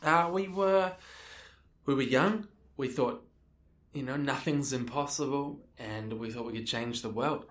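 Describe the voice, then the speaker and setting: A man's voice: medium pitch, a little slow, a bit bright. A thirty-year-old Australian man giving casual, informal answers as an interview guest. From Melbourne, Australia. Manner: informal, conversational, peppered with "like" and "you know". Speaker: interview guest, social enterprise co-founder. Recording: echoey room, distant from the mic.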